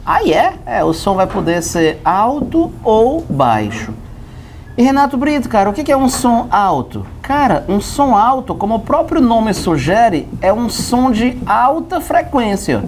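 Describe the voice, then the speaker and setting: A man's voice: very animated, a little slow, a little hiss or hum. A man giving a joking physics lesson, playfully asking and answering his own questions. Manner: playful, talks to himself in both roles, swings pitch for effect. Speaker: physics teacher.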